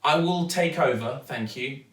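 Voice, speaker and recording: A man voicing an excitable, wary young girl in a children's storybook reading. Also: mid-range voice, unhurried, echoey room, recorded from a distance, pitched above the performer's own voice, lightly acted. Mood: suspicious.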